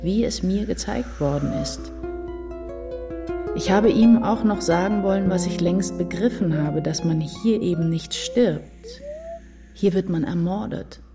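An actress playing a troubled, introspective woman writer in a literary radio drama monologue, brooding and deliberate. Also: on the low side. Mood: anguished, then intense, despairing. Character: troubled, introspective woman writer narrating her inner life. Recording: music behind the voice.

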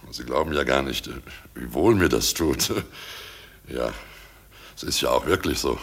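Ingratiating country gentleman in a radio play, with an extremely deep, rough-edged voice. He is effusively polite and chats away haltingly as he courts. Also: exaggerated voice. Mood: chatty, wistful. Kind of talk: German radio drama acting.

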